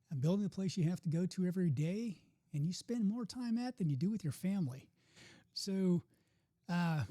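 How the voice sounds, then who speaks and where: A man hosting a podcast, his voice dark and mellow, sitting slightly high for a man. He asks questions in a relaxed, easygoing way, with casual fillers. The sound is close and dry. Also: dry recording. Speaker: podcast host. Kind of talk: podcast interview.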